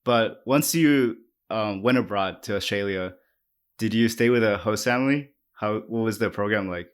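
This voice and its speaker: A man's voice: on the low side, moderate pace, smooth. A man co-hosting a casual podcast interview, asking curious follow-up questions in an easygoing way. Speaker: podcast co-host.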